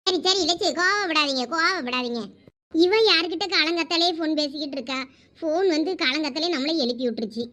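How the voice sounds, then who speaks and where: A woman acting out a family comedy skit, giving bossy orders in quick household banter. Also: high-pitched, fairly bright tone.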